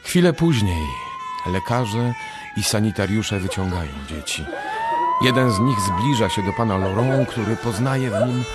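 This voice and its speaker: A man's voice: medium pitch, huge pitch swings, measured pace, loud music behind the voice. A man narrating a radio drama from a script.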